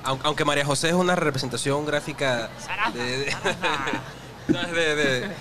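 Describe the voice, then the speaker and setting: A man's voice: on the high side, unhurried, crowd noise. A man, a guest speaking hesitantly in casual talk. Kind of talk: casual conversation.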